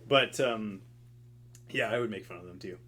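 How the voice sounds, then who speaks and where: A man's voice: lowish voice, normal speed, bright, forceful tone, faint music behind. A man guest on a podcast in casual chat, laid-back and rambling.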